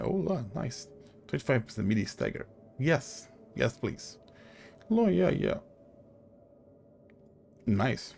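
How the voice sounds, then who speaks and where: A man giving casual video game commentary as host, halting and thinking aloud as he goes. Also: mid-range voice, vocal fry, a little mellow.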